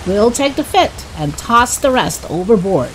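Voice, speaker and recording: A woman voicing a cruel, blustering male pirate captain with a black beard, domineering and loud, in a storybook. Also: mid-range voice, very animated, a little slow, slight background noise, low-quality recording. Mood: gleeful menace. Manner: shouting, domineering. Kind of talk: storybook character voice.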